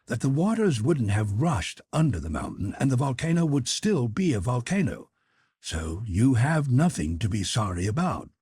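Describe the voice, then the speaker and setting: A man's voice: medium pitch, sing-song, normal speed, darkish tone, breathy edge, no echo, clean studio sound. A man voicing a learned professor in an audiobook, articulate and didactic, explaining things with relish. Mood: wry.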